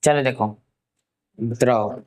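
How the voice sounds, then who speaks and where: A man from Uttar Pradesh giving a science lesson, asking rhetorical questions and answering them himself, and slowly repeating key terms for note-taking. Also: medium pitch, darkish tone. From Uttar Pradesh, India. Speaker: science teacher. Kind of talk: classroom science lecture.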